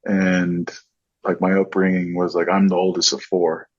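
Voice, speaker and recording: Laid-back male guest in his thirties with a very deep voice, dull recording. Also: moderate pace, husky. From born in American Samoa, raised in Southern California. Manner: relaxed, easygoing, laughs often. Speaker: guest, content creator. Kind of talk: casual interview chat.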